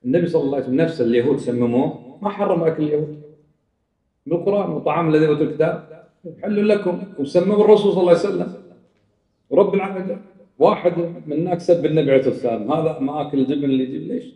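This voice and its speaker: Guy preaching, scolding and mocking, dark voice, fast, echoey room and a bit far off. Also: a little high. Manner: scolding, rhetorical, mocks opponents' arguments. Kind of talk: religious lecture.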